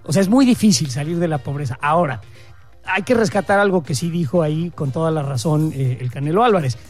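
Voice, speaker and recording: A man's voice: fairly high pitch, brisk, a little mellow, soft background music. A Mexican man co-hosting a talk show, giving blunt, profane opinions. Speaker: co-host. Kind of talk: casual opinion commentary.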